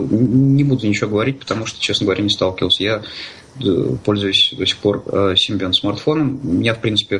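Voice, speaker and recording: A man giving conversational interview answers in a halting, hesitant way, often searching for words. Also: fairly low pitch, fairly bright tone, slight background noise, low-quality recording. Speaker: interview guest, blind user of assistive technology.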